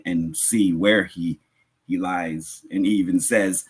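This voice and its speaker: A man's voice: sits low, steady tone, slow, breathy edge. A man giving a religious lecture as a Muslim preacher and teacher, explaining point by point and repeating phrases for emphasis.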